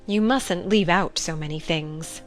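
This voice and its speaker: A woman's voice: fairly low pitch, unhurried, faint music behind, lightly acted. A woman playing a timid, muddled White Queen in a dramatized storybook, nervous and rambling as she confides. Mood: confiding. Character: dithering, timid, muddled White Queen, a chess-piece monarch. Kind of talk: dramatized audiobook acting.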